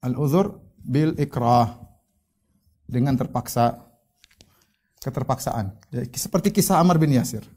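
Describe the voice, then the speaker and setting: Man giving an Islamic lecture, dark voice. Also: medium pitch, animated, measured pace, pauses often, breathy edge. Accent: Indonesian. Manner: explains terms, retells stories with quoted dialogue. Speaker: Islamic preacher. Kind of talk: religious lecture.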